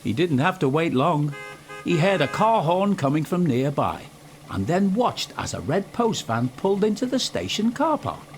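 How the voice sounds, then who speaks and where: A man's voice: on the high side, very animated, normal speed, soft background music. A man narrating a scripted children's story as storyteller.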